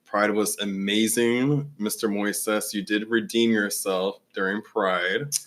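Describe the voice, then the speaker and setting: A man's voice: fairly low pitch, fairly even intonation, takes it slowly, a bit bright. A man in his late twenties co-hosting a casual podcast, teasing his friends and steering the conversation. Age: late 20s. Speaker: podcast co-host. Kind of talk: casual chat.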